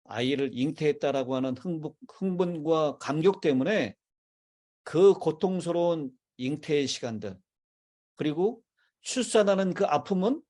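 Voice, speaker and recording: A male pastor delivers a sermon from the pulpit of a church. His voice sits a touch high and he speaks in measured phrases, stopping to ask the congregation questions and wait for their answers. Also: dark tone. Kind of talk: sermon with congregation call-and-response. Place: church sanctuary.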